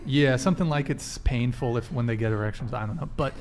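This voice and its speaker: A man hosting a casual dating podcast panel, blunt and quick to laugh, swearing casually. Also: medium pitch, a crowd in the background. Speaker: podcast host.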